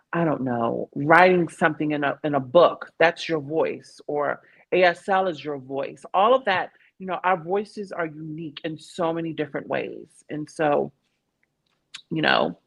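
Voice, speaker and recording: A woman, a guest opera singer telling her story in an animated, reflective way and laughing often. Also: deep voice, creaky, slightly rough. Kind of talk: conversational interview.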